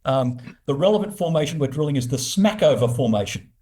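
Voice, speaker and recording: A man's voice: a little high, lively intonation, brisk, warm tone. A man interviewing a guest on a business show, speaking conversationally with hesitant phrasing.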